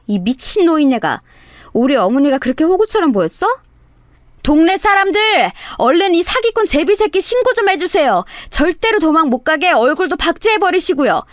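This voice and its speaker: Brief: a bold, scheming sister-in-law, loud and theatrical, acted by a woman, high and lively in a dry story recording. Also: dry recording.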